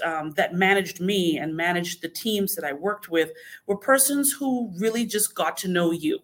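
A woman originally from the Bahamas speaks as a podcast guest. She talks through her answers in a measured, explanatory way, leaning on little fillers as she goes. Her pitch sits in a middling range. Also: a bit bright. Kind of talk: casual interview answers.

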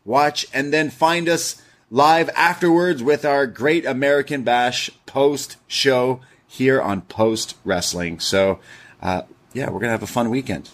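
A man's voice: mid-range voice, fairly even intonation, a little slow. Laid-back podcast co-host, a man in his thirties, mid-range voice, easygoing delivery. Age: 30s. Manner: laid-back, reads messages aloud, laughs easily. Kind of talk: casual podcast chat, reading listener mail.

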